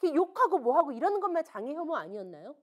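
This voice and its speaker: Woman seminar speaker, bright high voice with wide swings, frank and emphatic, keeps the audience engaged with questions. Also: sing-song, rapid-fire. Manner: frank, conversational storytelling. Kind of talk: seminar lecture.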